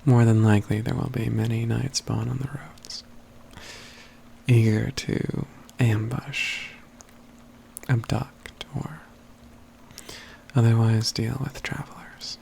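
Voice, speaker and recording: Slow, soft, creaky man playing a courtly mage. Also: mid-range voice, steady tone, a little hiss or hum. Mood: calm, deliberate. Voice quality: soft, breathy, often dropping to a whisper. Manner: measured, deliberate, halting phrases with pauses. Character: calm, courtly mage companion, gently teasing and resolute. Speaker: ASMR roleplay performer. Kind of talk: soft-spoken ASMR roleplay.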